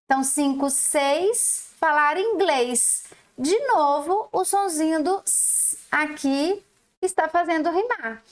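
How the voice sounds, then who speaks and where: Teacher lady, slow and stretched-out words, high lively voice. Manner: slow, drawn-out syllables, explaining. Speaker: primary school teacher. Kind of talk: recorded lesson for young children.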